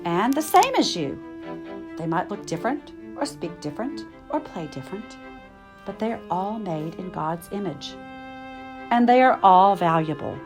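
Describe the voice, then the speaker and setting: Animated woman reading a children's picture book. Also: mid-range voice. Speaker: storytime reader.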